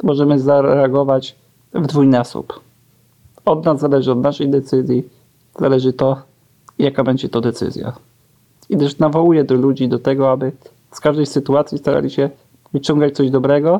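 Dark and mellow in tone, a man's fairly high voice moves at a fairly quick pace with fairly even intonation. Long, frequent pauses break up his speech. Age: 30s. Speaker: motivational speaker. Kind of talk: interview.

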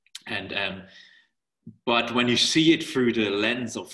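A man speaks with a German accent in a medium-pitched voice with a bright, sharp tone. His pitch varies in an ordinary way, and his pace is fairly slow. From Germany. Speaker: youth worker and theology student. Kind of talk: casual chat.

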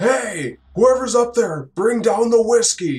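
A man puts on a gruff character voice at an extremely high pitch. His intonation is lively and his pace fairly slow. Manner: shouting down, commanding.

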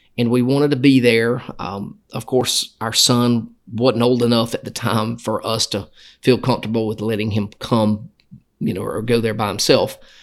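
Talking at a moderate pace, a man with a Southern US accent keeps a medium pitch and fairly even intonation. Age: 50s. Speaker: financial planner and podcast host. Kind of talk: casual solo podcast talk. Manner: conversational, with fillers.

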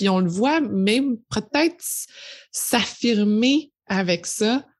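A normal speaking voice with lively intonation. The recording is very clean, with a silent background. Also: woman. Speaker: podcast host. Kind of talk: interview.

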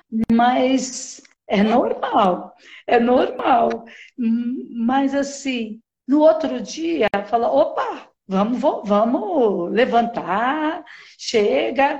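In a room with audible echo, a woman speaks at a very slow pace with a high pitch and very even loudness. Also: ordinary pitch variation. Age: 50s. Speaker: teacher, course student giving testimony. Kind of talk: testimony. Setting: video call. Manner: halting. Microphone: phone on video call.

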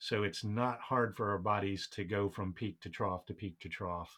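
An ordinary speaking voice from a man with a fairly low pitch and ordinary pitch variation, at a moderate pace, in a very clean recording with a silent background. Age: 50s. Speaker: clinical hypnotist and elder care worker. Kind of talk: casual interview.

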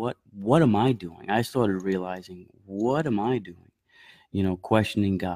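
On a very clean recording with a silent background, a man speaks at a fairly slow pace in a dark, mellow tone, his pitch fairly low with ordinary variation. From New York, Long Island. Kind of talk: testimony.

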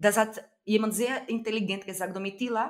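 A woman's fairly high, animated voice at a fairly slow pace. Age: 30s. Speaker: activist and entrepreneur. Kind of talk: casual interview conversation.

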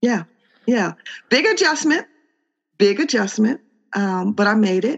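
A woman with an American accent talks at a fairly slow pace, her fairly high, somewhat breathy voice carrying lively intonation at a very even loudness. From US Midwest, Chicago. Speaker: entrepreneur. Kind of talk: interview.

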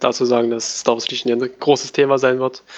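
Talking at a fairly quick pace, a man has an unremarkable speaking voice at a medium pitch. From Thuringia, Erfurt. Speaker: podcast co-host, tabletop gamer. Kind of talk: casual chat.

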